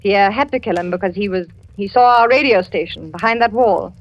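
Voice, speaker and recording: An actress playing a French wife in wartime, secretive and deceptive, speaking in hushed, measured 1940s radio drama style. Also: female voice, medium pitch, no room sound, lo-fi sound, close to an everyday voice. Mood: cold.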